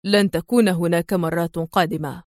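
A woman voicing a stern, sharp-witted Arab agent man who talks in a curt, firm way. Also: high voice, fairly quick, no room sound, studio quality.

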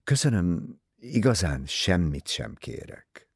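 A man voicing a bitter young woman who answers curtly in a flat voice. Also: on the low side, gravelly, no echo, studio quality. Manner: flat, curt.

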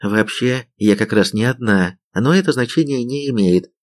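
A man's voice: medium pitch, animated, normal speed, lightly acted. A man voicing a brash, teasing young woman army commander in an audiobook. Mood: teasing bossy. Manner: teasing, bossy.

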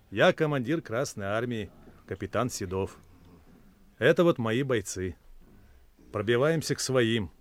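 A man playing a steady, kindly Red Army captain in a Soviet radio play. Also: mid-range voice, natural voice.

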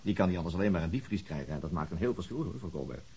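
An actor playing a calm, weary male police detective in a radio drama, with a dry, low-key manner. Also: very fast, breathy edge, exaggerated voice. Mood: relaxed.

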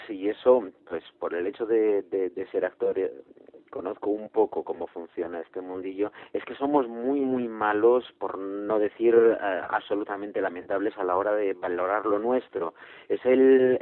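A man's voice: lowish voice, no echo. Man, hesitant, over a tinny phone line. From Spain. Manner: hesitant, many filler sounds, earnest. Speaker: actor interviewed as guest. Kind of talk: phone interview.

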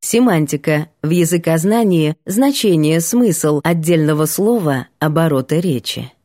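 A woman narrating a novel in the first person, with expressive, ironic storytelling. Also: low-pitched, unhurried, no room sound, clean studio sound. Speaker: audiobook narrator.

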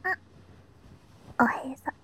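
A woman voicing a playful, doting schoolgirl little sister who teases her older brother in close, whispered ASMR roleplay. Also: very slow. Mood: teasing. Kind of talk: ASMR roleplay with ear cleaning.

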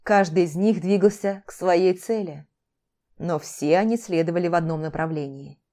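A woman narrating a fantasy audiobook in a measured, dramatic reading. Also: fairly low pitch, mellow.

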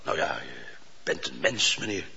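Humble, husky, deep-voiced poacher. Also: male voice, big pitch swings, normal speed, pushed and bright, heavily acted. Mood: earnest, explaining. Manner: deferential, explaining patiently and insistently. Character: humble, earnest male poacher held prisoner. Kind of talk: Dutch radio drama acting. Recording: muffled, reverberant radio drama recording.

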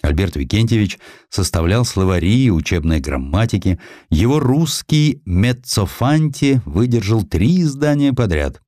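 A man narrates a historical sketch in a very low voice. His delivery is theatrical and highly animated, swinging widely in pitch. The sound is dry and close, with hardly any room. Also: a little slow, dry recording. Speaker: audiobook narrator. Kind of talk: expressive dramatized reading of historical sketch.

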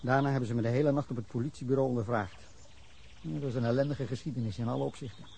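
A husky, indignant witness. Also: male voice, mid-range voice, fairly even intonation, rapid-fire, a little mellow. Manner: indignant, rambling account with bursts of anger. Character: defensive middle-aged man telling police of a drunken brawl. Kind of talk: Dutch radio drama acting.

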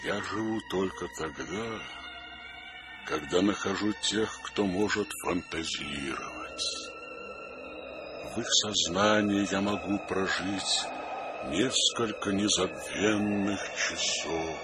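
Very deep, slow wind spirit. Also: male voice, huge pitch swings, full character voice. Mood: dreamy, grand. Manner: hushed, slow, drawn-out, enigmatic. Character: mysterious male dream wind spirit, soothing and enigmatic. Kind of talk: Russian radio drama acting. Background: music.

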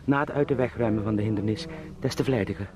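An actor in a radio drama playing an anxious travelling salesman turned beetle, pleading and eager to please in halting, formally polite speech. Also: lowish voice, crowd noise, lightly acted. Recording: clearly noisy radio play sound.

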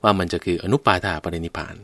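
A man's voice: fast talker, dry recording. A man giving a radio Dharma talk, explaining patiently and step by step, repeating phrases and speaking directly to his listeners. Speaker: Buddhist radio teacher.

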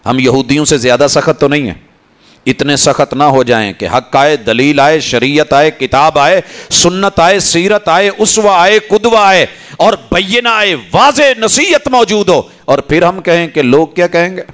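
A man with a Punjabi accent preaching a Quran lesson sermon in a mosque, climbing to emphatic peaks and then dropping into low, quick asides. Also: fairly bright tone.

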